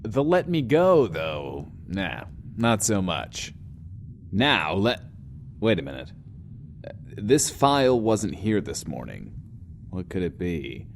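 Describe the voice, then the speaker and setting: Theatrical, lonely eccentric radio host, lowish voice. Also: male voice, sing-song, takes it slowly, creaky, long pauses, a little hiss or hum, heavily acted. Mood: smug, puzzled. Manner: theatrical, wordy, muttering asides. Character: lonely, eccentric, self-justifying bunker radio host Johnny. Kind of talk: audio drama as in-world radio show.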